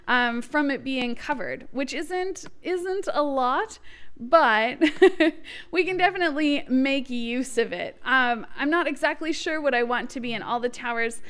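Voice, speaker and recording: A woman hosting a gaming video with casual, giggly commentary, chatting and thinking aloud as she plays. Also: high voice.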